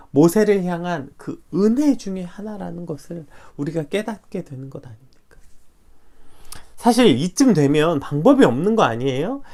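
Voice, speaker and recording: Male pastor giving a morning devotion; animated delivery with wide, lively intonation. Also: sits high. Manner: animated, acts out quoted dialogue, rhetorical questions.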